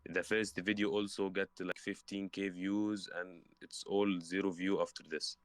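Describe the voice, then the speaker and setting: Deep-voiced man with an Arabic accent. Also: flat delivery, no echo. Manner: hesitant, halting, many fillers and restarts. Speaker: caller. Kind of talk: casual call, asking for advice.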